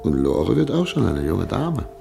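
An actor playing a hopeful, earnest middle-aged exiled doctor and husband in a radio play, speaking in a measured way. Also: male voice, deep voice, wildly swooping pitch, creaky, music in the background, heavily acted. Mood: dreamy, reassuring.

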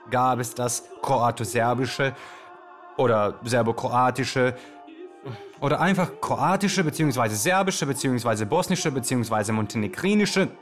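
Radio play host played by a man: bossy, excitable, mid-pitched, talking straight to listeners. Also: lightly acted. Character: excitable, bossy male radio show host of Balkan identity. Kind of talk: scripted radio show monologue and banter.

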